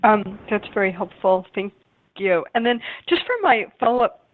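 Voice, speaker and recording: A woman's voice: medium pitch, normal speed. A woman working as a financial analyst, asking questions on an earnings call in a polite, informal, conversational way. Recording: dry, narrow phone-line audio.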